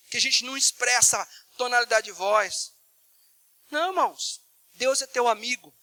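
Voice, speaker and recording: Male Brazilian pastor, very high and bright, animated sermon delivery. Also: dry recording. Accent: Brazilian Portuguese. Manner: animated preaching, acting out prayers in changing tones. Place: church. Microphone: microphone.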